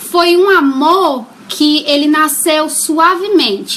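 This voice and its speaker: Over noticeable background noise, a woman with a Ceará accent speaks at a high pitch. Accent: Northeastern Brazilian (Ceará). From Northeast Brazil, Juazeiro do Norte, Ceará. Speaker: Bible study teacher. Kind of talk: testimony. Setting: live stream. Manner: halting, with many fillers.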